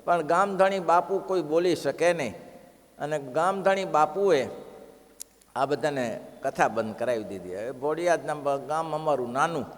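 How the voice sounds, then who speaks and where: A man giving a devotional scripture sermon who tells stories and repeats phrases for emphasis. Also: fairly high pitch. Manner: storytelling, repeats phrases for emphasis, chants verses. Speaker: preacher giving a scripture discourse. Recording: long hall reverb.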